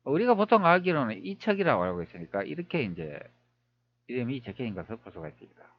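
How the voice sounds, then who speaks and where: A man's voice: medium pitch, sing-song, fast talker, muffled recording. A man talking viewers through old images on screen, wondering aloud with many rhetorical questions. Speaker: history video creator. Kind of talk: screen-recorded commentary.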